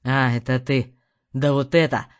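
A woman voicing an angry, hungover burly husband with a hoarse, growling voice. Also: extremely low pitch, steady tone, a little slow, dull audio, voice pushed down. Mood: furious. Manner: shouting furious threats.

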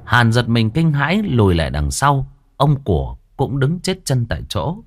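A man narrating a scripted horror story with a dramatic, expressive reading. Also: mid-range voice, normal speed, no echo, faint music behind.

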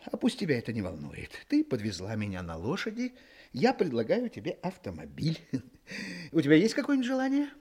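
An actor playing a smug, cunning German army officer in a radio drama, mock-friendly and condescending, used to giving orders. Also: male voice, a little high, huge pitch swings, fairly quick, darkish tone, slightly rough, full character voice. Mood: smooth, condescending. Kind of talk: Soviet radio drama acting. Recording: noisy old radio drama recording.

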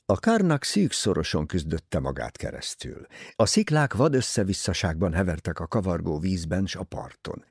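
A man narrating an audiobook in a raspy, gravelly voice. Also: low voice, sing-song, dry recording, studio quality. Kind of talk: scripted narration.

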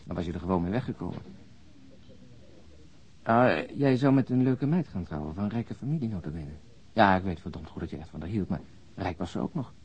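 Low-voiced, jovial, world-weary policeman. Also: animated, a little fast, long pauses, darkish tone, breathy edge, muffled recording. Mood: frank, probing. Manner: blunt, mild swearing, chatty and teasing. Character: overweight, jovial, world-weary policeman who loves his food. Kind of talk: naturalistic Dutch radio drama acting.

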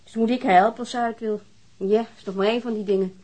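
A woman's voice: fairly high pitch, steady tone, fast talker, dark tone, lightly acted, poor audio. A woman acting in a radio drama as a struggling mother, weary and guarded, with a plaintive manner.

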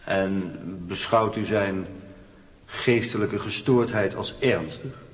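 An actor playing a formal courtroom lawyer with measured questioning in a radio drama. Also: male voice, on the low side. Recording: echoey hall, distant, dull sound.

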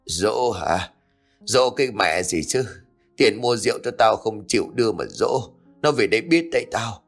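A man's voice: fairly low pitch, animated, normal speed, faint music behind. A man voicing a drunken, abusive village husband who slurs and curses. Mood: drunken rage. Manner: slurred, snarling, cursing.

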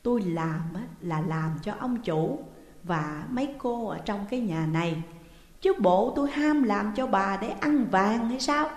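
A woman's voice: mid-range voice, expressive, unhurried, lightly acted. A blunt, spirited housemaid, voiced by a woman storyteller, answering back sharply and without fear. Her voice carries a roomy echo and a long reverb. It is an audio storybook. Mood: defiant. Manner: defiant, sharp-tongued.

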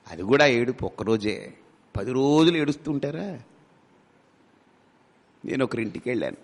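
A spiritual teacher with a gravelly, medium-pitched voice gives a conversational discourse full of rhetorical questions and humorous asides. A long hall reverb carries his voice.

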